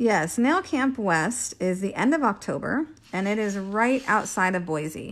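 A normal speaking voice from a woman with an American accent, medium in pitch, with lively intonation and a fairly slow pace. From Las Vegas, Nevada, US. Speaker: nail technician. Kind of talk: tutorial.

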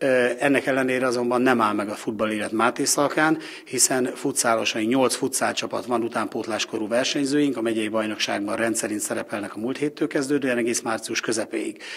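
A man at a fairly quick pace, with fairly even intonation, over a quiet background. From Hungary. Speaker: football club official. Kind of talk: interview. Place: meeting room. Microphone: handheld.

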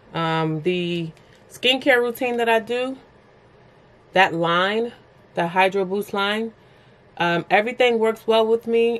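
At a fairly slow pace, a woman with an American accent speaks with ordinary pitch variation. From New York City. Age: 40s. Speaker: beauty vlogger. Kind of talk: makeup tutorial. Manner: casual, rambling with fillers. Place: home room.

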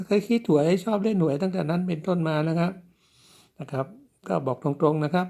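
The man's pitch is high. His tone is dark and mellow. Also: ordinary pitch variation. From rural Thailand. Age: old. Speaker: lottery number channel owner. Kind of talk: tutorial. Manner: halting.

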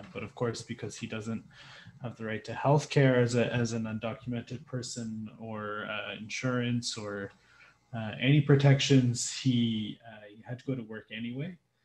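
A man's medium-pitched voice at a moderate pace, with fairly even intonation, big swings in loudness and audible room echo. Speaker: interpreter. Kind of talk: spoken translation. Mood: serious, earnest. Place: home room. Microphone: video call.

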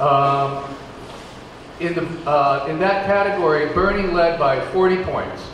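A high-pitched man at a very slow pace with ordinary pitch variation and long, frequent pauses, with audible room echo and light background noise. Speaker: election lawsuit activist. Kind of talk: conference panel talk. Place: hall.

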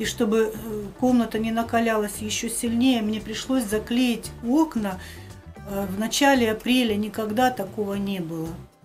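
Faint music plays in the background. The speaker talks at a moderate pace with ordinary pitch variation. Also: woman, big swings in loudness. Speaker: home vlogger. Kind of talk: casual vlog chat. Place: home room. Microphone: camera far.

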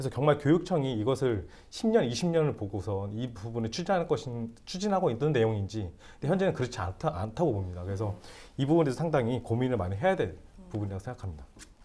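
At a very fast pace, a man talks in a dark, mellow, somewhat breathy tone with very wide pitch swings. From South Korea. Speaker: journalist; reporter or commentator guest. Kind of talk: TV panel discussion. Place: studio.

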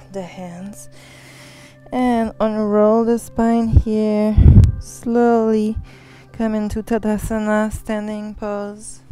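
Speaking in a Quebec accent, a woman with a fairly high pitch and a calm tone talks at a very slow pace, with long, frequent pauses, big swings in loudness, a dry sound with no echo and faint music in the background. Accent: French Canadian (Quebec). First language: French. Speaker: yoga teacher. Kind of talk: guided yoga class instruction. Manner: slow, calm. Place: garden.

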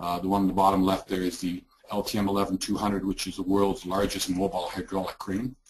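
This man talks at a fairly quick clip in a very deep, low voice with monotone, flat intonation. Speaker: crane company training and assessment manager. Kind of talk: webinar presentation. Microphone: video call.

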